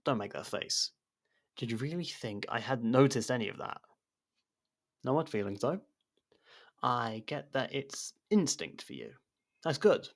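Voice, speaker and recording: A man playing an abrasive but protective murderer turned investigation partner in an intimate ASMR audio drama, speaking in a halting, guarded way. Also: medium pitch, sing-song. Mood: teasing.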